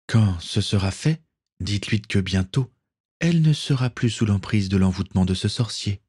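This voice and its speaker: A male narrator voicing a haughty ship captain with a smooth, formal and cold manner. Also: fairly low pitch, normal speed, darkish tone, no room sound, clean studio sound.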